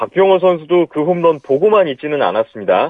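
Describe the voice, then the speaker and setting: A man's fairly high voice moves at a moderate pace. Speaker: sports caster. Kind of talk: sports news report.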